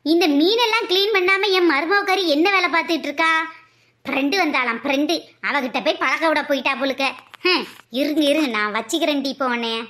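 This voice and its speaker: A woman voicing a scheming, nosy older mother-in-law in a cartoon comedy, with a high nagging voice. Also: brisk, bright, forceful tone. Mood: suspicious.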